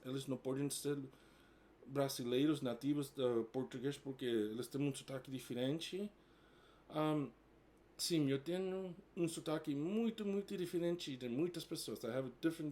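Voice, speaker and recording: A man's voice: medium pitch, a little mellow. Casual vlogger, man in his 40s, native English speaker, hesitant learner Portuguese mixed with English. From United States. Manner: hesitant, many fillers, switches between Portuguese and English. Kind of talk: casual bilingual talk to camera.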